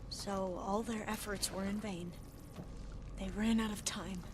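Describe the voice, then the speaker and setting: A woman's voice: medium pitch, fairly even intonation, unhurried, background noise, lightly acted. An actress voicing a devout young female tribal diviner in a video game, speaking in an earnest, formal, reverent way. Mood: earnest, solemn. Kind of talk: video game cutscene dialogue.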